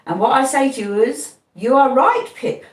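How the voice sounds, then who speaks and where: Lady reading as a kindly plodding blacksmith guy, talk, pitch swinging up and down, roomy echo. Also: animated, moderate pace. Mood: earnest. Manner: plodding rustic speech, earnest and repetitive. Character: kindly slow-spoken blacksmith man, middle-aged. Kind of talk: audiobook reading. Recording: roomy, distant mic.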